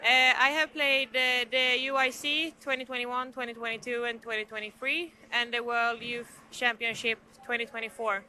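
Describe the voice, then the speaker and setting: A young female athlete from Sweden lists her titles. Her voice is very bright and slightly high. She speaks on a flat line. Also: moderate pace, few pauses. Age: 20s. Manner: listing achievements, fillers. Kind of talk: recorded self-introduction.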